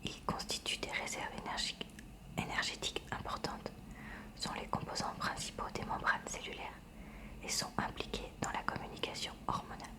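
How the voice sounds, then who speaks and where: A woman whispering throughout in a hushed library manner, reading a school textbook aloud as ASMR with measured, careful enunciation.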